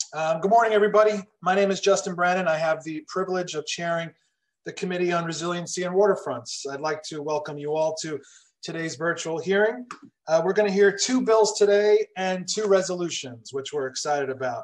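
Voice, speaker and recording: Fairly quick, high-pitched male speech with ordinary pitch variation. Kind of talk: formal opening statement. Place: office. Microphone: video call.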